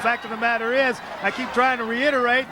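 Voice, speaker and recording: A high-pitched man works as a lucha libre announcer, pressing his points insistently and argumentatively. He is heard over clear crowd noise in a noisy arena broadcast. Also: flat delivery, fast. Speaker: wrestling co-commentator. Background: loud wrestling crowd.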